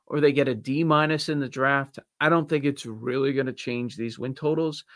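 A man's voice: mid-range voice, steady tone, a bit bright. A man with a Chicago accent hosting a sports betting podcast, talking casually and joking with his co-host. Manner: quick, joking, restarts often.

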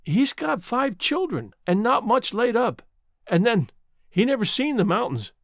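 Man doing a meek old widow, raised pitch, lively lilt, dry close sound. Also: moderate pace, no echo. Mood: plaintive. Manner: rural dialect, homely grammar; apologetic, wistful. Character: poor old widow from the mountains, gentle.

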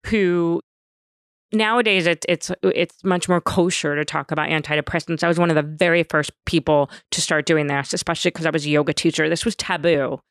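A woman's voice: low voice, steady tone, brisk, no echo, studio quality. A woman guest on a podcast, talking candidly and animatedly, joking and swearing freely. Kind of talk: casual conversation.

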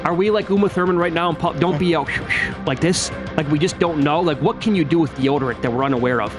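A man co-hosts a sports betting show and fires off teasing rhetorical questions at his partner. He talks very fast, and his voice sits a bit high. Clear music runs behind him. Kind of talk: casual banter and segment teasers.

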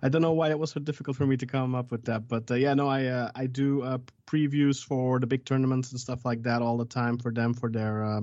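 A man from Belgium, a football journalist guest, answering in a halting way with many fillers and restarts. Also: mid-range voice, a little mellow, no echo, muffled recording. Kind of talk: casual podcast interview.

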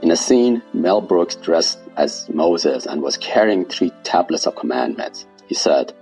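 A man's voice: deep voice, big pitch swings, a little slow, mellow, soft background music, rough recording. An older man from Iran with a Persian accent, reading his own personal essay with dry, wry humor.

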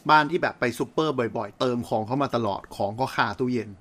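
Fast-talking man thinking out loud. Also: medium pitch. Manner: quick, thinks aloud with everyday examples, many backchannels. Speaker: podcast co-host. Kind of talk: casual chat.

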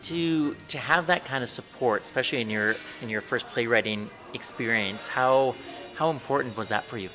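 A man's voice: medium pitch, normal speed, over music. A man hosting an interview, asking questions with frequent stumbling restarts. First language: English. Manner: stumbling repeated starts. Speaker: interviewer host. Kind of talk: conversational interview.

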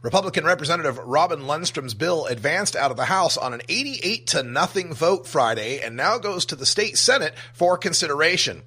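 A man's voice: fairly high pitch, animated, brisk, hardly any pauses, pushed and bright, slightly rough. A man hosting a talk radio show, reading scripted intros and headlines in a punchy announcer's delivery. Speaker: radio talk show host and news reader.

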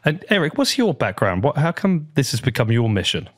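A man's voice: medium pitch, sing-song, brisk. A man interviewing a guest, asking brief questions with some hesitation.

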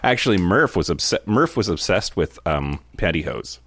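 Deep-voiced eager man, lively pitch. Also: moderate pace, breathy edge, dry recording. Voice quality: eager, upbeat, blunt. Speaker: podcast co-host. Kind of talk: casual chat.

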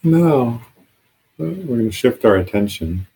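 A man leading a guided meditation as a teacher, giving gentle, halting, unscripted instructions with long pauses. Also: medium pitch, animated, slightly rough.

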